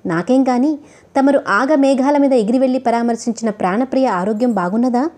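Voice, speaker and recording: Heartbroken young wife, bitter and sharp-tongued, kinda high, soft warm tone - lady reading her. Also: a little fast, close to an everyday voice. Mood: furious. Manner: bitter, accusing. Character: young woman, deceived bride, fiery and heartbroken.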